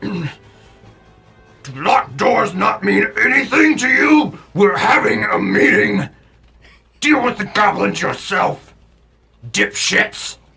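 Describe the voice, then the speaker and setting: A man's raspy, put-on character voice at a high pitch, fairly slow with long, frequent pauses, over faint music in the background. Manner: rude, hostile, gruff.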